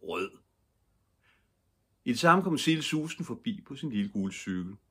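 An older man reading a children's bedtime story aloud, calm and gentle. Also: mid-range voice, slightly rough.

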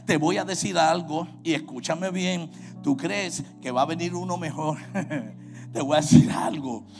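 A man with a Puerto Rican accent preaching a sermon, swinging from quiet talk to shouted, sung exhortation over music. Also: fairly high pitch, measured pace. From Puerto Rico. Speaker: pastor.

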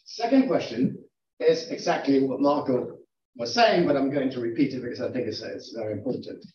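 A man's voice: medium pitch, fairly quick, darkish tone, slight background noise. A man chairing an academic seminar, asking probing, argumentative questions from the floor. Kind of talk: academic Q&A discussion. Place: lecture room. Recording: echoey, distant, dull room recording.

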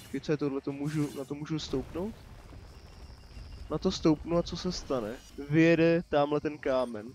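A man's voice: a little high, a little mellow, a little hiss or hum. A man casually commenting on his own gameplay, chatty and joking, talking to the enemies on screen. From Czechia. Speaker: let's play commentator. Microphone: desk microphone.

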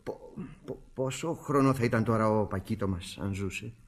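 A man's voice: mid-range voice, very animated, slightly rough. A man playing a timid, worried bachelor brother in a comic radio play, hesitant and stammering. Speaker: brother caring for a foundling baby.

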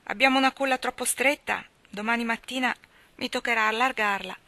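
A woman's voice: on the high side, fairly even intonation, fairly quick, bright, forceful tone, no echo, voice pushed up. A woman voicing a hearty farmer father. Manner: hearty and exclamatory. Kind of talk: audiobook character voice.

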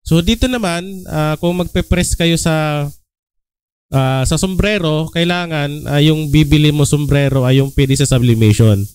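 A man's voice: on the high side, unhurried, a little mellow, smooth, no room sound. A young Filipino man hosting a casual design tutorial, talking at ease with many "ah" fillers and "okay?" check-ins. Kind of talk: casual screen-recorded tutorial.

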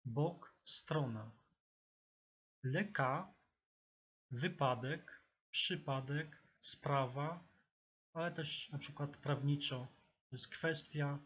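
A man teaching a vocabulary lesson, speaking slowly and deliberately with pauses between words. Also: fairly high pitch, a bit bright, slightly rough. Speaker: language teacher. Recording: dull lo-fi recording.

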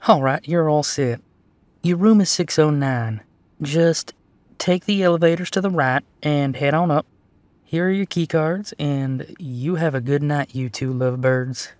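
A woman's voice: sits low, measured pace, a little mellow, dry recording. A woman as a chatty hotel clerk. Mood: coy cheerful. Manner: polite, coy customer-service patter. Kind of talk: audio roleplay acting.

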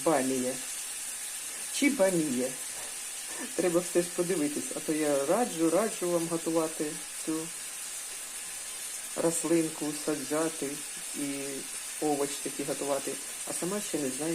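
A woman narrating a casual cooking vlog from her home kitchen, thinking aloud step by step at an unhurried pace. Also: deep voice, fairly even intonation. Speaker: home cook, channel host. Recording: kitchen cooking noise behind voice. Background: sizzling frying pan.

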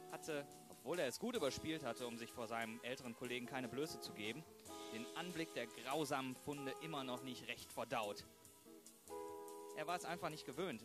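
A solemn narrator, played by a man, tells a crime radio play. His voice sits at a middle pitch, with music clearly behind it. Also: close to an everyday voice.

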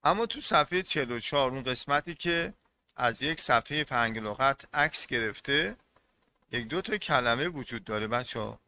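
A man's voice: medium pitch, expressive, pushed and bright. A male English teacher giving a classroom lesson, repeating each term and putting questions to his students. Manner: repeats terms and quizzes the class.

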